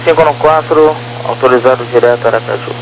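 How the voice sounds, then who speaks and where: A man's voice: medium pitch, brisk. A Brazilian man speaking in clipped aviation phraseology over a radio. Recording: noisy humming aviation radio transmission.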